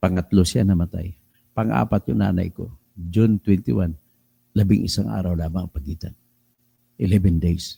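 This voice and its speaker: In a very clean recording with a silent background and a dry, close sound with no echo, a man with a very deep, low pitch and a dark, mellow tone speaks with vocal fry and long, frequent pauses. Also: ordinary pitch variation, moderate pace. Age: 50s. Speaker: lawyer and political commentator. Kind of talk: live stream commentary.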